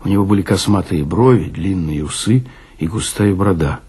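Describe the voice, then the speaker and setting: Male literary narrator for radio drama: low, husky, measured, expressive.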